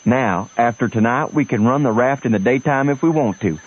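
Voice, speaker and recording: A man's voice: medium pitch, brisk, lightly acted. An actor in a radio drama playing a pompous, melodramatic, self-pitying con man who poses as a duke. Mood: scheming. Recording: dull lo-fi radio recording.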